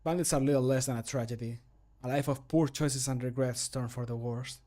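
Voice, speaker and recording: A man voicing a somber, pitying adventurer for a fantasy game, with dramatic, drawn-out gaps in a scripted delivery. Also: mid-range voice, steady tone, mellow, close to an everyday voice. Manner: slow, dramatic, gapped delivery. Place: small home room.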